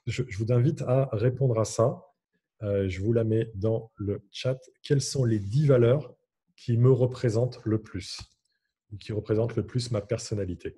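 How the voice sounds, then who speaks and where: A man guides participants through an online coaching workshop, steady and encouraging as he explains each exercise. His voice is warm and dark, with a husky, slightly breathy edge. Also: on the low side, normal speed. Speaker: coaching trainer leading a workshop.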